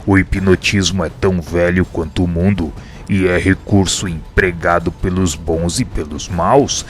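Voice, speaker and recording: A man playing a wise, grave spirit mentor in a radio drama, speaking in a measured, didactic way. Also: deep voice, steady tone, slight background noise. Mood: grave, instructive. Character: wise, grave male spirit mentor teaching his pupil.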